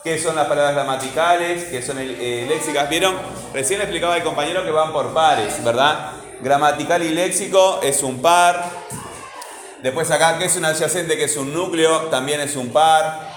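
A man teaching a class, asking many quick questions and stressing key words. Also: fairly high pitch, a bit bright, slight background noise. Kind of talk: online class lesson. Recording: roomy echo.

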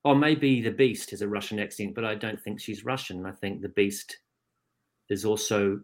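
A man's voice: fairly low pitch, steady tone, normal speed. A man on a panel, an actor chatting with wry, jokey asides. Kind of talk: joking panel chat.

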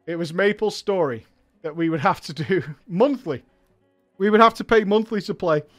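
A man hosting a livestream show who reads viewer letters aloud, talking in a loud, hyped way with swearing and rambling asides. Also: high voice, moderate pace, faint music behind. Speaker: streamer and show host.

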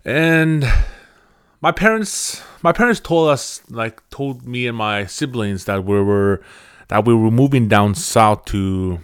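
A man in his thirties whose first language is Cree, hosting a podcast and telling a personal story in a casual, halting way, often restarting his phrases. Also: mid-range voice, lively intonation, clean tone, dry recording, studio quality. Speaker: podcast host.

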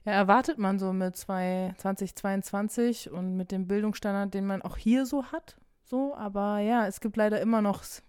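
A woman's voice: mid-range voice, steady tone, moderate pace, few pauses, a little mellow, clean tone, no room sound, clean studio sound. A woman hosting a casual interview, asking prompting questions and adding short responses. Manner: friendly, asks prompting questions, frequent backchannels. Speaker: interview host.

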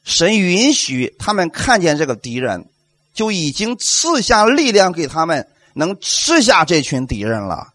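A man's voice: on the high side, wildly swooping pitch, a little slow, fairly bright tone, no echo. A male pastor delivering a sermon, emphatic, asking the congregation rhetorical questions and acting out quotes.

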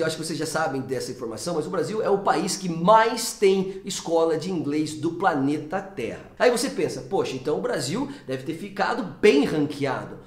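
A man from Brazil, an English teacher giving a persuasive talk straight to the viewer. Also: high voice. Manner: animated and persuasive, addresses viewer directly. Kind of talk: direct-to-camera teaching talk. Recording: echoey room.

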